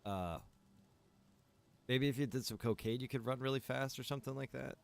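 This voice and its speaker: A man chatting casually while streaming a survival game, rambling in a relaxed way to his viewers. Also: mid-range voice, normal speed, creaky. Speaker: streamer and server owner. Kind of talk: casual gaming stream chat.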